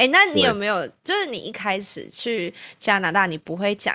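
Animated in tone, a woman speaks at a moderate pace in a dry, close sound with no echo. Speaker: podcast host. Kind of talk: casual chat. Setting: online recording. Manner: animated, laughing often.

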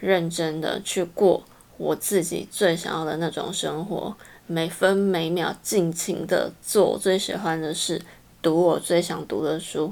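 Very slowly, a woman speaks with a fairly low pitch and fairly even intonation. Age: 30s. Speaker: podcast host. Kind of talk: personal reflective monologue.

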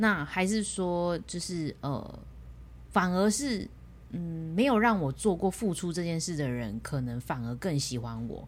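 Her fairly low voice swinging very widely in pitch, a woman speaks at a fairly slow pace. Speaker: podcast co-host. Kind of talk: casual chat. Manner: soft, gentle tone.

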